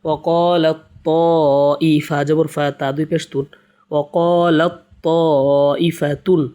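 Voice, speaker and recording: With a darkish, slightly high voice that barely moves in pitch, a male Quran teacher from Bangladesh leads beginners through Arabic letters and vowel marks. Slow drilled letter chants in a narrow melody alternate with brisk spoken explanations.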